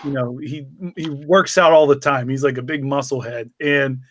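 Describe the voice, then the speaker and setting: A man hosting a podcast, chatting casually and telling anecdotes in a joking, animated way. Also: medium pitch, moderate pace. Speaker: podcast host.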